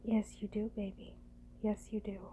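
A woman in a whispered role-play as a gentle, doting lover, murmuring tender sweet nothings in a soft, breathy, soothing whisper. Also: mid-range voice, level tone, moderate pace, a little hiss or hum.

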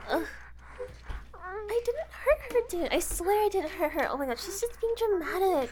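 A woman's voice: extremely high pitch, animated, normal speed, darkish tone, slight background noise. A woman playing a giggly, unhinged young woman kidnapper who teases and whispers asides in a sweetly menacing way. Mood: defensive. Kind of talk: audio roleplay acting.

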